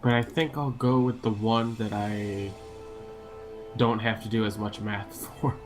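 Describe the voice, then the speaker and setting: A man's voice: fairly low pitch, fairly even intonation, a little slow, over music. A man chatting casually as a player in an online tabletop game, working out his moves.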